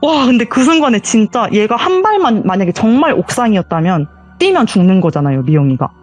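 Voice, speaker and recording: A woman's voice: mid-range voice, sing-song, fairly quick, a little mellow, soft background music. A woman recounting a true ghost story in an interview, emotional and vivid, acting out the quoted lines. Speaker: guest sharing a viewer's story.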